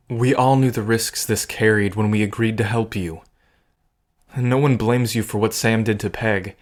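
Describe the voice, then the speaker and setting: Addressing the listener directly, a man acts in a scripted audio drama as a protective cousin caught in a gambling scheme. His voice sits fairly low, close to how he'd normally speak, and remains conversational. The delivery is earnest, dry-witted and intimate.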